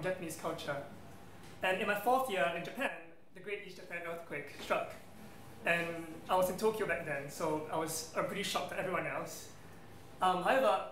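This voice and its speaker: A man's voice: high voice, fairly bright tone. A man from Singapore in his thirties, giving a presentation to an audience in an event room with many ums and friendly asides. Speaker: guest speaker. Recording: roomy hall sound, faint noise.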